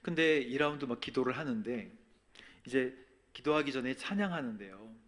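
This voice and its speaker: A man preaching a sermon as a pastor, telling a personal testimony and swinging between soft and loud. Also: mid-range voice, expressive, normal speed. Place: church sanctuary.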